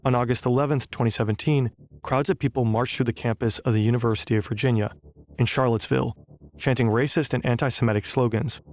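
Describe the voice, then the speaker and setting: A man giving measured, scripted documentary narration. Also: medium pitch, darkish tone, slight background noise.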